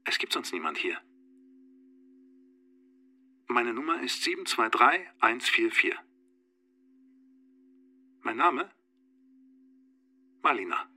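An actor playing a calm, cold, evasive man in a radio drama, speaking in a curt, controlled, matter-of-fact way. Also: medium pitch, slow, pauses often, heavily acted.

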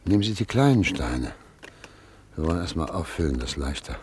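An actor playing an anguished exiled husband in a radio drama, earnest and husky. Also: male voice, very deep voice, big pitch swings, a little fast, a little mellow, a little hiss or hum. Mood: subdued, concerned. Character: anguished male exile, a husband desperate for the truth.

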